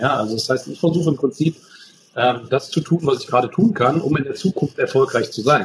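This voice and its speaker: Through noticeable background noise, a man speaks at a fairly quick pace with ordinary pitch variation. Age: 30s. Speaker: performance coach. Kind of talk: interview. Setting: video call. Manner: hesitant with frequent fillers.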